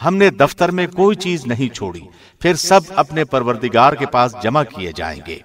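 A man reading a scripture translation from a script in a measured, formal radio-presenter manner. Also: mid-range voice, expressive, fairly bright tone. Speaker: translation reader.

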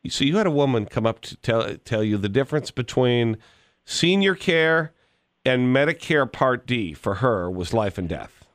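A man's voice: mid-range voice, big pitch swings, normal speed, no echo, clean studio sound. Wry male radio talk host. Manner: wry, joking asides. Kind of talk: casual radio interview.

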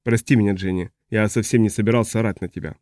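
Confused man who forgot everything, halting and fretful, low dark voice, read by a man. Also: steady tone, no room sound, clean studio sound, close to an everyday voice. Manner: fretful, halting, trailing off mid-sentence. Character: confused, agitated man who has lost his memory. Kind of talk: audiobook character reading.

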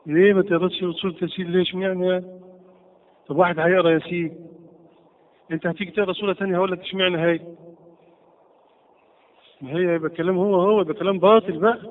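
A man's voice: high voice, fairly even intonation, racing, pauses often. An Egyptian man teaching a religious lesson, quizzing his class with repeated questions. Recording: tinny lo-fi lecture recording.

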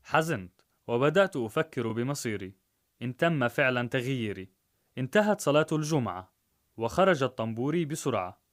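A man narrating a rhymed story in a measured, rhythmic way. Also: mid-range voice, expressive.

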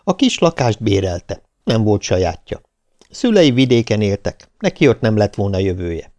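A man narrating an audiobook in a calm, even storytelling manner. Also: on the low side. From Hungary. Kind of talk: scripted narration.

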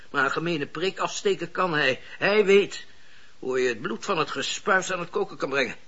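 An old judge in a radio drama, high and husky in voice. He is shrewd, cynical and scornful, lecturing deliberately with swooping intonation. The recording is rather dull. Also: sharp tone, exaggerated voice. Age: older. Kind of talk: radio play acting.

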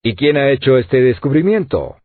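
A man's voice: mid-range voice, sing-song, moderate pace, no room sound, close to an everyday voice. A man reading as a fervent old-salt sailor. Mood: grateful. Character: hardy middle-aged sailor, ardent and grateful. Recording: dry, tinny phone-like sound.

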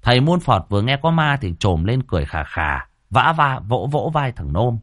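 A man narrating a story in a lively, colloquial way. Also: medium pitch, normal speed, no room sound, clean studio sound.

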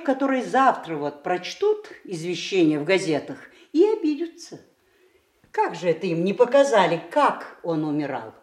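An actress playing a reflective, wry mature woman in a Russian radio play, musing aloud with dramatic pauses. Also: mid-range voice. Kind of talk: Russian radio theatre monologue.

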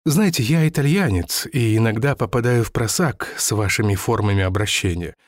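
A man's voice: lowish voice, normal speed, no room sound, clean studio sound, natural voice. A man voicing a mild, courteous Italian traveler. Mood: apologetic. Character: polite, apologetic Italian man abroad.

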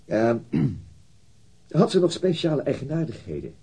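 Husky, hesitant male police interrogator. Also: fairly high pitch, sing-song, moderate pace, warm tone, full character voice. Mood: hesitant, probing. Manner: hesitant, formal, probing questions. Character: male police detective, probing, awkwardly formal interrogator. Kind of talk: radio drama interrogation acting.

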